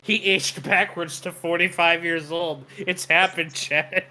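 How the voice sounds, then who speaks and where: A man chatting on a voice call as a stream guest, his loud, laughing voice clipping and distorting the mic. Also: a little high, fairly even intonation, unhurried, a little hiss or hum. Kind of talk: casual chat.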